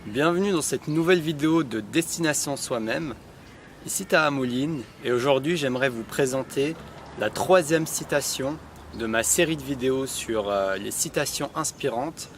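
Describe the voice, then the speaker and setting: A man giving an improvised, relaxed talk to camera, with frequent hesitations. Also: medium pitch, normal speed, slight background noise. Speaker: personal development vlogger.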